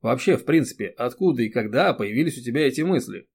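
A man's voice: medium pitch, expressive, fast talker, gravelly, a little mellow, breathy edge. A male reader voicing a blunt, protective young man who talks firmly and soothingly. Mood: earnest. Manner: firm, reassuring, sometimes barking. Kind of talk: audiobook character reading.

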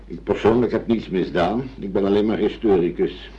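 A dull radio drama recording of a man acting a reactionary old father with a low voice. He delivers his pedantic lines with dry, sardonic scorn. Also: moderate pace, lightly acted.

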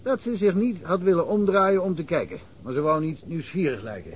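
A man's voice: fairly high pitch, lively intonation, a little fast, highs cut off, lightly acted. A man playing a rambling village police chief. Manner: rambling, anecdotal storytelling. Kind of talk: radio play acting. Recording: old radio play with faint hiss.

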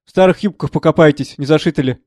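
A sneering, domineering moneyman who bullies and mocks everyone in the room, as a man reading a play puts him on. The voice sits a touch high for a man, close and completely dry. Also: quick pace, a little mellow, no room sound, natural voice. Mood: contemptuous. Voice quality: sneering, scornful. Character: rude domineering middle-aged man, blustering financier.

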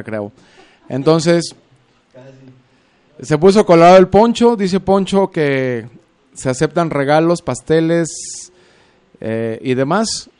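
A man's voice: fairly high pitch, a little mellow, smooth. A man with a Mexican accent hosting a radio show, chatting casually and teasing his technician in a joking way. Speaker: radio host.

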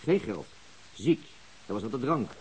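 A man's voice: mid-range voice, expressive, measured pace, darkish tone, lightly acted, low-quality recording. A man acting a pragmatic, weary police detective in a radio drama, colloquial and dry. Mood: reluctant. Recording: faintly hissy old radio recording.

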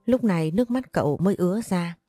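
A woman narrating a dramatic story in a steady, dramatic storytelling manner. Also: on the low side, quick pace, no echo, studio quality. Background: faint music.

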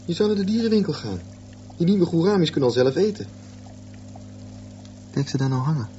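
An actor playing a dreamy, musing teenage boy with a disability in a radio drama, speaking slowly and full of wonder. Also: fairly high pitch, lively intonation, dark tone, faint music behind, close to an everyday voice. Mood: eager. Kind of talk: radio drama acting, reflective monologue. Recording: dull, noisy old radio recording.

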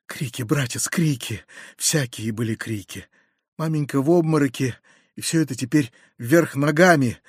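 A man voicing an excitable, kind-hearted middle-aged landowner who talks in agitated exclamations. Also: a little high, moderate pace, no echo, clean studio sound, natural voice. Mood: distraught. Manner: agitated, exclamatory, rising to shouts. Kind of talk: audiobook character reading.

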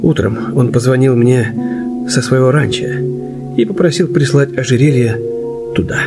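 An actor playing a courteous, cautious and worried jeweler in a radio play, with a measured delivery. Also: male voice, mid-range voice, close to an everyday voice. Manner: measured, thoughtful. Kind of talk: Russian radio play, dialogue and narration. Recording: music playing behind the voice.

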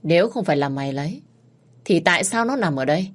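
A stern, harsh young master barking orders to his household, as a woman narrator puts him on. Storybook delivery, loud and commanding, raised a little above her usual low voice. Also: lively intonation, fast talker. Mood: cold.

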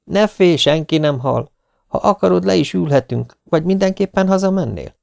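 A man reading an audiobook, voicing a calm young male DJ who speaks gently and reassuringly. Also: high-pitched, creaky, no echo, voice pushed up. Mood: gentle. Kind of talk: audiobook character voice.

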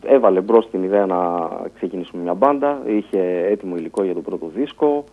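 A man, a band musician talking about his band in a radio interview, telling it in a relaxed way. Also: deep voice. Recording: tinny phone-like radio sound.

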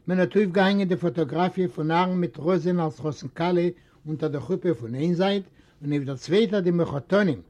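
A male reader from Eastern Europe, a native Yiddish speaker, narrating a novel in a steady, measured way. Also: on the high side. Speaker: audiobook reader. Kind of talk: read-aloud literary narration. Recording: dull lo-fi recording.

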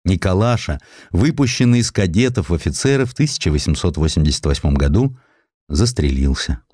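A man narrating historical essays from a script in an expressive storytelling way, with ironic, conversational asides. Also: deep voice, a little fast, husky, dry recording, clean studio sound. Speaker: audiobook narrator. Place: studio.

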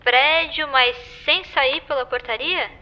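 Fields: Figure: a woman playing an excitable friend on a call. Pitch: high. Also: takes it slowly. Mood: curious. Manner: curious, reactive, teasing. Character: curious, excitable young woman friend on the phone. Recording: muffled phone-call recording, faint hiss.

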